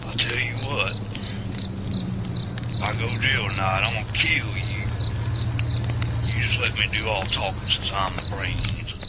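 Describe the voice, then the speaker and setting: A man voicing a crusty old backwoods veteran with a thick rural Southern drawl, bossy and folksy. His voice sits low, and loud crickets chirp through the night recording. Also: heavy background noise. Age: older. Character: crusty old Southern Vietnam vet, bossy, hard of hearing.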